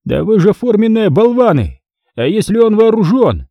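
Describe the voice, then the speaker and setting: A man's voice: high-pitched, big pitch swings, normal speed, dry recording, highs cut off, pitched above the performer's own voice, heavily acted. A man voicing a sneering, menacing crime boss who taunts his captive. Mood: furious. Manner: taunting, barked threats and sly mockery.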